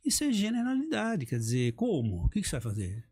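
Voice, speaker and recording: A man's voice: sits high, fast, slightly rough. A middle-aged man, a public speaking coach, talking in a casual podcast chat and acting out examples with emphasis. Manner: animated, emphatic, acts out examples.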